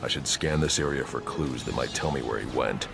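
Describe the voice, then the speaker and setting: An actor playing a grim, brooding masked vigilante in a video game, with a very deep gravelly growl and a slow, clipped, menacing delivery. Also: male voice, over loud music. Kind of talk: video game cutscene acting. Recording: game audio with score underneath.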